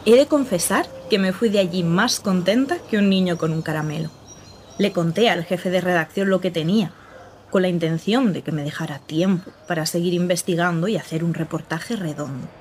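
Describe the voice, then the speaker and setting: A woman's voice: lowish voice, brisk, a little mellow, slight background noise, natural voice. A woman narrating in the first person as a young journalist, in a wry, reflective way. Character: young female journalist narrating her story.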